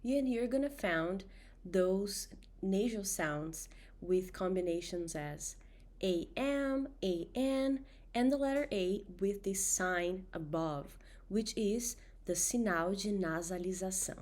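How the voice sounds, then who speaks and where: A woman with a Brazilian accent, a native Portuguese speaker, teaching pronunciation with deliberately enunciated nasal vowel drills for learners to repeat. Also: mid-range voice, a little mellow. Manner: slow, deliberate enunciation of example words and nasal sounds. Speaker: language teacher.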